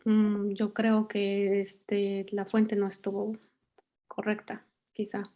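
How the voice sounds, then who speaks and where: A woman's voice: medium pitch, monotone, slow, narrow, tinny audio. A young woman with a Mexican Spanish accent, a student answering questions hesitantly over a video call. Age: young adult. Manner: hesitant, many fillers. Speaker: student presenter.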